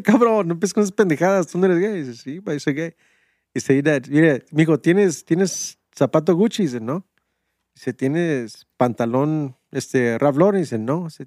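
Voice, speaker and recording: A man's voice: on the high side, animated, measured pace, darkish tone, dry recording, clean studio sound. A man with a Mexican accent, co-hosting a podcast and telling jokes in loose, slangy banter. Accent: Mexican Spanish. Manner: slangy, laughing storyteller who acts out quoted dialogue. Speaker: podcast co-host. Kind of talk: casual banter and joke telling.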